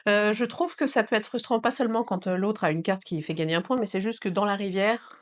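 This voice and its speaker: A woman's voice: mid-range voice, fairly quick. A woman whose first language is not French co-hosts a casual board game review chat, with a hesitant, playful manner full of fillers. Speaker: co-host.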